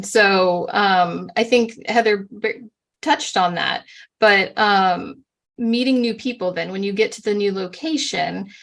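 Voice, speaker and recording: A woman of forty hosting a live online conversation. Her voice sits at a middle pitch, and she talks in a chatty, looping way with lots of agreement. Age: 40s. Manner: chatty, with many fillers and restarts, warmly agreeing. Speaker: host.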